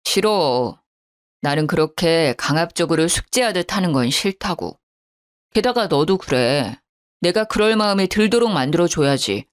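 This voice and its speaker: A woman's voice: fairly low pitch, expressive, normal speed, lightly acted. A woman voicing a cold, dismissive husband in a storybook drama, speaking curtly and blaming his wife. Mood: cold, defensive. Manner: curt, blaming.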